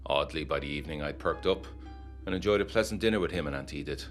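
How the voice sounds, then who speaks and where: Man playing a deep-voiced, brooding 1920s gentleman. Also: fast, soft background music. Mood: haunted, brooding. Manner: formal, literary, brooding. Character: troubled, educated 1920s gentleman writing to his fiancée. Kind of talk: gothic audio drama letter narration.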